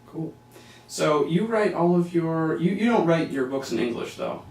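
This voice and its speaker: A man's voice: a little high, expressive, normal speed, a little mellow, echoey room, far from the mic, poor audio. A man hosting an interview, asking loose, friendly questions with frequent restarts. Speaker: interview host.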